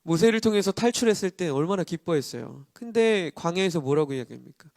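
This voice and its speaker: A man's voice: high voice, expressive, fast talker, gravelly, a little mellow, dry recording, studio quality. A man, a pastor, giving a morning sermon, explaining the passage with rhetorical questions and acting out the quoted lines. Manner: acts out quoted lines dramatically.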